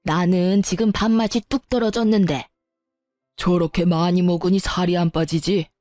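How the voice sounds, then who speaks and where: A woman's voice: on the low side, steady tone, moderate pace, dark tone, no room sound, clean studio sound, faint music behind, close to an everyday voice. A woman voicing a scornful, nagging middle-aged mother-in-law who sighs and belittles. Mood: sneering. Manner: sighing, sneering, belittling.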